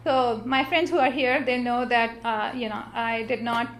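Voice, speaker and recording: A middle-aged woman with a Pakistani accent, Urdu her first language, speaks at a symposium in a church hall. Her voice sits a little high, and she talks earnestly, stopping often to restart and fill pauses. A faint noise runs underneath. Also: steady tone, fairly bright tone. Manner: earnest, halting, many fillers and restarts. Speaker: panelist. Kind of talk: panel talk at an interfaith symposium.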